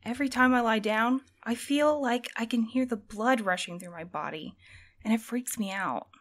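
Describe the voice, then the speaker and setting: A woman acts an exhausted young female courier in a fiction podcast. Her voice is somewhat high. She talks earnestly, with a gentle, plaintive edge. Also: normal speed. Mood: tired, candid. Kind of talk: audio fiction podcast acting.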